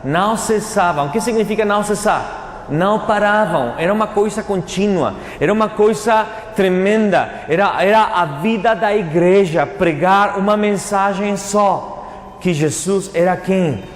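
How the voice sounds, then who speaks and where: Preaching a little slowly in a high male voice, a Spanish-speaking pastor teaches from the Bible and uses call-and-response questions, repeating phrases as he instructs. The long reverb of an echoey hall and faint noise are audible.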